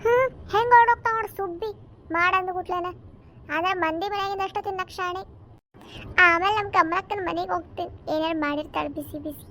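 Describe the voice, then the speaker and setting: Squeaky bright north karnataka village aunties nagging each other in a cartoon. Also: female voice, slight background noise. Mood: bickering. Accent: North Karnataka Kannada. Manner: quick, scolding banter. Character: gossipy village women, bickering, adult. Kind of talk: cartoon comedy dialogue.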